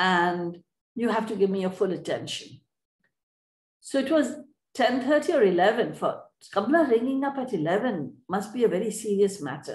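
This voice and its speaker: Against a quiet background with audible room echo, a woman speaks at a moderate pace in a somewhat breathy voice with very wide pitch swings and long, frequent pauses. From Bangladesh. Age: 70s. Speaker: social activist; webinar speaker. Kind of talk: memorial tribute. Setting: video call. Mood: reflective, fond remembrance. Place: home room. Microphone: video call.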